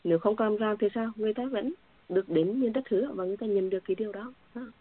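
With a slightly rough, mid-range voice and a quick pace, a church member delivers an earnest faith testimony to fellow believers. She repeats herself somewhat and gets emotional at times, all heard over a tinny, phone-like line.

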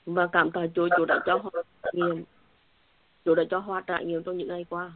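A woman's voice: lowish voice, level tone, fairly quick, dry recording. Earnest woman sharing testimony by phone. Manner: earnest, repetitive, emotional at times. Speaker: church member sharing testimony. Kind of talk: spoken faith testimony. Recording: tinny phone-like line.

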